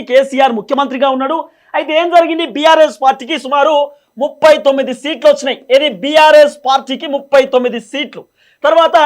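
A man with a Telangana Telugu accent giving explanatory political commentary as a news presenter, emphatic and repetitive, often asking questions and answering them himself. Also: very high-pitched.

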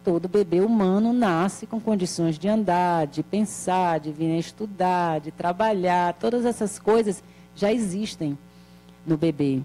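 A woman in her sixties giving a spiritual lecture, seated at a table in a small hall and speaking into a handheld mic in a calm, measured, explanatory way, with rhetorical questions. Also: fairly low pitch, slight background noise.

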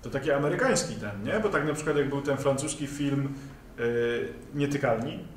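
A man's voice: mid-range voice, lively intonation, moderate pace. A young man in casual, joking conversation as a co-host promoting audio dramas. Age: young adult. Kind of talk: casual jokey chat. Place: indoor green-screen studio at a table. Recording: roomy, distant mic with background noise.

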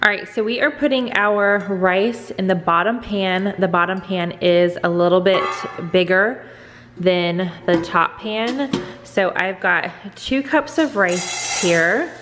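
A woman's voice: medium pitch, slow, in a large hall, music in the background. A middle-aged woman chatting casually as she walks through a cooking demonstration step by step in her home kitchen. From Texas. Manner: chatty step-by-step explaining, frequent "go ahead". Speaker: cooking vlogger. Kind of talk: casual cook-along demonstration.

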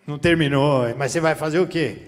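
A man from Brazil works a theater crowd during a stand-up set, using a handheld mic and teasing people with foul-mouthed slang. His pitch is fairly high and his pace fairly quick. Audience laughter and faint room noise fill the echoing hall.

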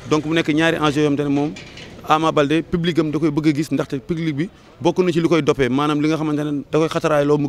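Young man, Senegalese accent, correspondent, slightly high voice, measured, analytical, hesitant fillers. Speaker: local TV correspondent. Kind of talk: street interview. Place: sunny street outdoors. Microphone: handheld reporter mics held close.

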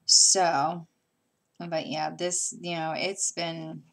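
A chatty middle-aged woman talks to her camera at home while she stitches. Her voice sits low, and she wanders through her thoughts with fillers and restarts. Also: flat delivery, drawn-out words, a bit bright. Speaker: stitching vlogger. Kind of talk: casual chat while stitching. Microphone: camera mic.

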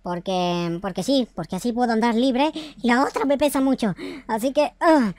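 A man playing an excitable, foul-mouthed noob boy warrior in an improvised video game roleplay, speaking in slangy, repetitive exclamations. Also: very high voice, moderate pace, no room sound, studio quality. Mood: musing. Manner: exclamatory, slangy, repeats words. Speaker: gaming YouTuber. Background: background music.

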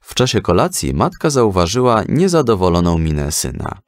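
A man narrating a scripted children's story as an expressive storyteller. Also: sits low, normal speed, no echo, clean studio sound.

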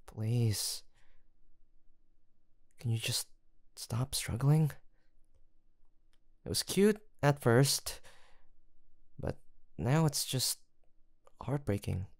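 A man playing a gentle, gravelly-voiced rescuer. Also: medium pitch, expressive, drawn-out words, pauses often, no room sound, clean studio sound, exaggerated voice. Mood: coaxing. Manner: soft teasing, coaxing and reassuring. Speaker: voice actor in an audio roleplay. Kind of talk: audio roleplay to the listener.

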